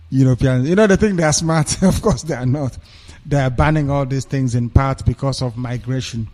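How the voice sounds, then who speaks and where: A man's voice: medium pitch, a little slow, darkish tone, long reverb tail. A man with a Nigerian accent on a radio broadcast. He reads news items aloud and breaks off into scornful, mocking commentary full of rhetorical questions.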